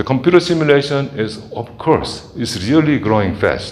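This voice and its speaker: Audible room echo surrounds a man speaking with a Korean accent. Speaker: astronomy professor. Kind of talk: lecture. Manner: deliberately slow; hesitant, many fillers.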